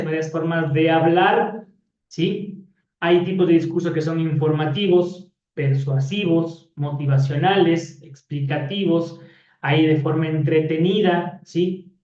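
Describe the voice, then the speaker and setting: A man's voice: on the high side, unhurried, a little mellow. Man teaching in an echoey classroom. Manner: explanatory, frequent "¿sí?" and "¿ya?" tags. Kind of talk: classroom lecture. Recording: echoey room, distant dull mic.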